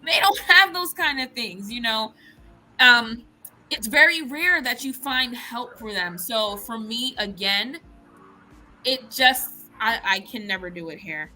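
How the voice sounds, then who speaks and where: A woman's voice: fairly high pitch, expressive, a little slow, bright, forceful tone, faint music behind, low-quality recording. A woman from the United States talking frankly and emphatically in a casual discussion, often restarting her sentences.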